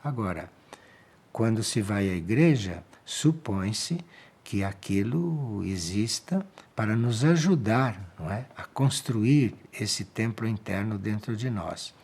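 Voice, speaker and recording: A man with a Brazilian Portuguese accent giving a calm spiritual talk, answering listeners' questions in a measured way and repeating key phrases for emphasis. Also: fairly low pitch, husky.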